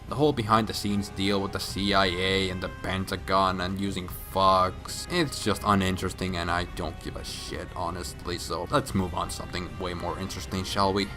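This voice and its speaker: Male comic recapper: drunk, sweary, rambling, low-pitched and forceful, music underneath. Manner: drunk, rambling, profane, with emphatic outbursts. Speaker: video game storyline explainer. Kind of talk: casual comedic story recap. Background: background music.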